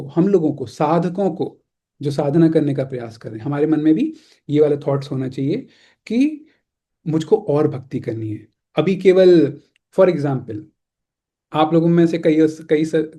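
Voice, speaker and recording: Mellow young man teaching a class by video call. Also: fairly high pitch. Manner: conversational, mixes English words, asks "है ना?". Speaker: teacher leading an online scripture class. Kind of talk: casual explanatory teaching.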